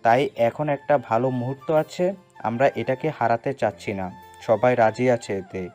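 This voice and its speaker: Man acting a firm, measured, authoritative father. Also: medium pitch, a little mellow, faint music behind, lightly acted. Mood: calm, insistent. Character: stern middle-aged father, calm, authoritative, unyielding. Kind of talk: dramatised audio story dialogue.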